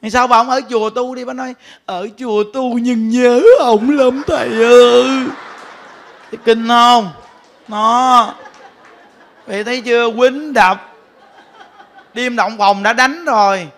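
A man's voice: very high-pitched, measured pace, pauses often. A man, a Buddhist monk giving a sermon, telling stories with frequent laughter and speaking straight to his listeners. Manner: animated storytelling, laughs often, addresses the audience directly.

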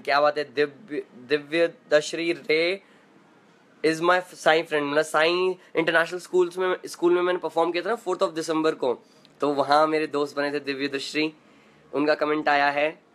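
A man's voice: a little high, a bit bright. A young man hosting a casual live stream from his room at home, chatting playfully and greeting viewers by name as he reads their comments aloud.

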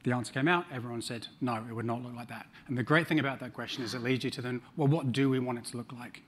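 A man's voice: medium pitch, steady tone, fast, slightly rough. A middle-aged man with a New Zealand accent giving a conference talk on a large stage, with dry humor and frequent ums. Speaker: conference speaker.

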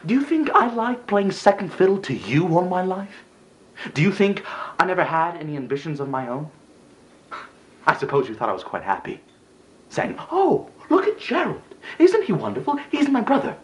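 A man performing a dramatic stage monologue as a bitter, jealous elder brother, sarcastic and emotional, moving between hushed delivery and outbursts. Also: fairly low pitch, a little fast, long pauses.

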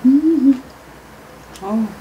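A mukbang host chatting casually to viewers with a mouth full of food, mumbling slowly between bites. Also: high-pitched, muffled recording, background noise. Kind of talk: casual eating broadcast.

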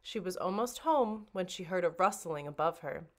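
A woman reading a children's storybook aloud like a librarian, with expressive, dramatic narration. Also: lowish voice, moderate pace.

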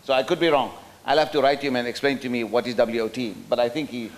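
A man's voice: mid-range voice, fairly even intonation, fast talker. A middle-aged man from South Africa giving a talk at a roundtable from a podium in a hotel function room, thoughtful and hesitant with many fillers and restarts. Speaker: speaker at a roundtable. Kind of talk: lecture with slides. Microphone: podium microphone.

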